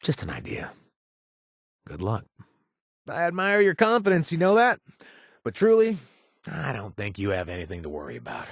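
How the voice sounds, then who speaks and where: A man's voice: medium pitch, a bit bright, dry recording, exaggerated voice. An actor playing a playful, flirtatious male companion in a video game, recorded dry in a studio. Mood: teasing.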